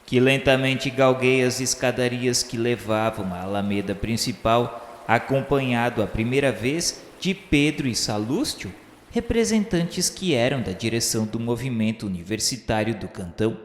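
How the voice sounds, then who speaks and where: Guy playing solemn brazilian male spirit telling his memoirs, radio drama, poetic and formal, mid pitch, very echoey. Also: animated, a little hiss or hum, close to an everyday voice. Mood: solemn, reverent. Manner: formal, measured, poetic delivery. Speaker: narrator of a radio novel. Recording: echoey long reverb, music behind.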